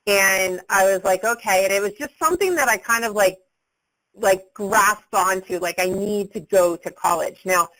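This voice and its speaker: A woman's voice: medium pitch, fairly bright tone, poor audio. A woman in her forties telling her own life story on a coaching call, in a conversational manner full of fillers and asides. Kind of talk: personal storytelling.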